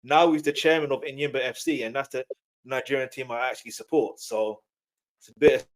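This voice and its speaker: A man interviews in a relaxed, chatty style as host. His voice is of average pitch. He phrases questions informally, often restarting and rewording them. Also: brisk. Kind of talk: casual chat interview.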